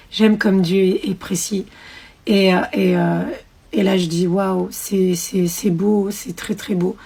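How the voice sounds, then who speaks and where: A young woman telling her personal testimony with emotion, acting out the dialogue she recalls and pausing on fillers. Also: on the low side, warm tone, husky.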